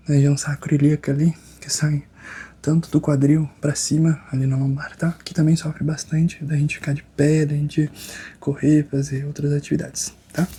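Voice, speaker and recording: A Brazilian speaker playing a chiropractor in an ASMR roleplay, chatting softly and informally with a joking streak. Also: mid-range voice, slightly rough. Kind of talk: ASMR roleplay of a chiropractic session, soft casual chat.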